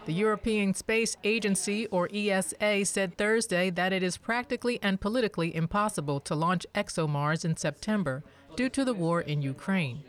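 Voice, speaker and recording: A reporter reading scripted news in a clear, formal way. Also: medium pitch, moderate pace, few pauses.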